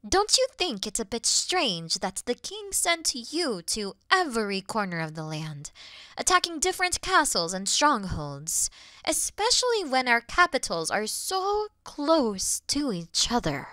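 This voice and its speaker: Demon queen, played by a woman: regal, sincere, measured and soft-spoken, with a bright edge, recorded dry for fantasy roleplay audio. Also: on the high side, sing-song, no echo, exaggerated voice. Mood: earnest, grave. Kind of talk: scripted fantasy audio roleplay addressed to the listener.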